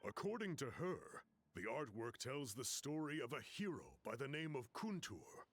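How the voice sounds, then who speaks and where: A man playing a casual, talkative tribal guide in a video game, explaining things in a chatty way with a slightly husky voice. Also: mid-range voice, sing-song, normal speed, a bit bright, a little hiss or hum. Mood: storytelling. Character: laid-back tribal guide man, talkative graffiti art enthusiast.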